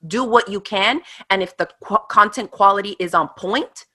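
Bright-voiced woman in her 30s, chatty and quick, laughing as she tells how she got started. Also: mid-range voice. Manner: animated, fast storytelling with laughs. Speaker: guest, online craft teacher. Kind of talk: casual interview chat.

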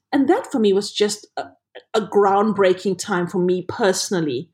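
A woman's voice: medium pitch, a little mellow. A middle-aged woman with a South African accent, a podcast guest telling her career story in an earnest, reflective way over a remote call. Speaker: guest, HR director. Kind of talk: podcast interview, personal story.

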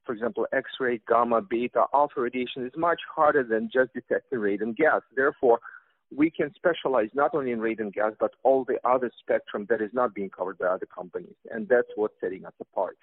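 A man's voice: mid-range voice, fairly quick, no echo. A man with a Russian accent answering interview questions about his company's products, hesitant, with many fillers and restarts. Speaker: company representative guest. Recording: tinny phone line, dry.

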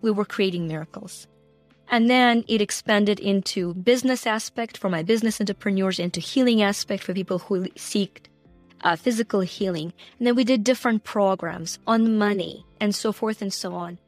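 Earnest, animated woman coach, dry sound. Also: mid-range voice, moderate pace, no echo, faint music behind. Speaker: podcast guest, coach. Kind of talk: conversational interview.

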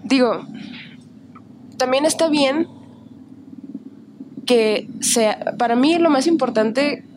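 A woman's voice: high-pitched, slow pace. Young tijuana girl, northern mexican accent, giggly and chatty on a podcast, faint hiss. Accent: northern Mexican Spanish (Tijuana). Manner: bubbly, laughs easily. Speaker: guest, independent musician. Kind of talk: casual interview chat.

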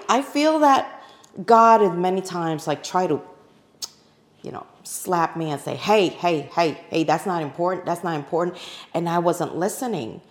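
A middle-aged woman, a real estate agent, chatting as a podcast guest. She tells her story animatedly, laughs often and acts out her own past thoughts. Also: fairly high pitch. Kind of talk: casual interview chat.

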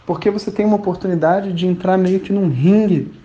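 A man's voice: high voice, steady tone, fairly quick, dark tone. A man from Rio de Janeiro, telling a personal story in a colloquial way and acting out the dialogue. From Rio de Janeiro, Brazil. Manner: colloquial, acts out quoted dialogue. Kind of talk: anecdotal storytelling talk. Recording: dull lo-fi recording.

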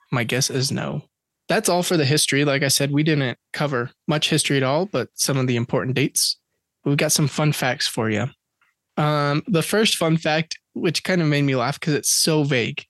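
Higher-pitched guy chatting on a podcast, jokey, reading off dates, dry close mic. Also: moderate pace, fairly bright tone, no room sound. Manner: chatty, joking, reads facts and dates aloud. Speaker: podcast co-host. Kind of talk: casual chat.

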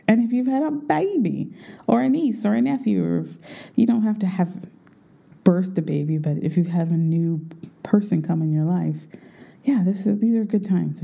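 Tucked under a blanket in her bedroom, a jet-lagged vlogger rambles casually to her viewers, often correcting herself. Her lowish, mellow voice has vocal fry, and the blanket leaves the audio muffled and dull.

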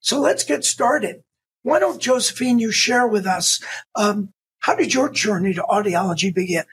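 A man's voice: sits high, lively intonation, normal speed, a bit bright, husky. Man, podcast host, upbeat, encouraging, very muffled unclear voice. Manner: upbeat, encouraging, short affirmations. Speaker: podcast host and institute founder. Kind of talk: casual interview chat.

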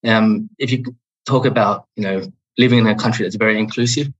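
A man in his thirties from Australia with an Australian accent, a podcast guest talking in a relaxed, reflective way with many fillers. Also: fairly low pitch, fairly quick, highs cut off. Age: 30s. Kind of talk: interview podcast.

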